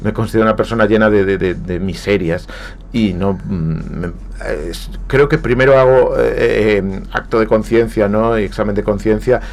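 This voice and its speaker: A man's voice: fairly low pitch, steady tone, moderate pace, slight background noise. A man from Galicia with a Spanish accent, speaking reflectively as a guest on a radio interview, often hesitating and repeating words. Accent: Spanish, from Spain. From Galicia, Spain. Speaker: guest writer. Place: radio studio.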